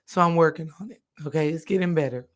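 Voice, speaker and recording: A woman, hoarse from coaching, chatting casually on a live stream as a spiritual healing coach. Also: low-pitched, fast talker. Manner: chatty, addresses viewers directly.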